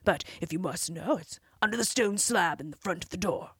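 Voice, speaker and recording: A woman voicing a huge, gruff male giant who bullies and shouts slowly, with a breathy voice. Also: no echo, studio quality. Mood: gruff dismissive. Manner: slow booming shouts.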